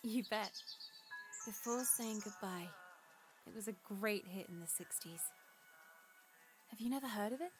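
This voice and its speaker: A woman's voice: mid-range voice, measured pace, pauses often, music in the background, close to an everyday voice. An actress playing an earnest, encouraging young woman in a video game, a pianist with a haunted past. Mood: wistful. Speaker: game character.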